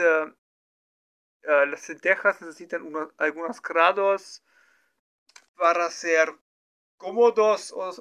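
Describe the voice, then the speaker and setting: A man practicing Spanish as a learner, talking slowly through an improvised story with many fillers, restarts and self-corrections. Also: on the high side, vocal fry, bright, forceful tone, clear, resonant tone. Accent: non-native Spanish learner. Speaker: language learner streaming his practice. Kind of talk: halting improvised practice talk.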